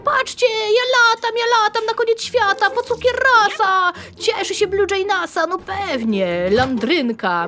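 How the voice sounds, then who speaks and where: A woman hosting playful gameplay commentary, making up little rhymes as she plays and squealing cries for help. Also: high-pitched. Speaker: gaming channel host.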